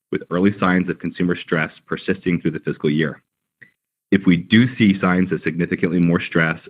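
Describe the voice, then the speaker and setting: A man presenting as a company finance executive, reading prepared earnings remarks in a formal, measured way. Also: deep voice. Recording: dull, band-limited conference call audio.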